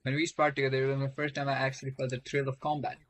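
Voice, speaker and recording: A man's voice: medium pitch, monotone, very fast, fairly bright tone, a little hiss or hum. A man streaming a game and reading its dialogue aloud, stumbling over words and rereading them.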